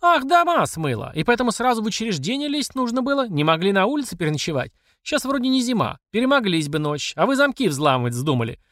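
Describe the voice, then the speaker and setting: A man voicing a shrill, scornful woman boss. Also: very animated, fast talker, hardly any pauses, fairly bright tone, dry recording, studio quality. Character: bossy loud heavyset middle-aged woman official.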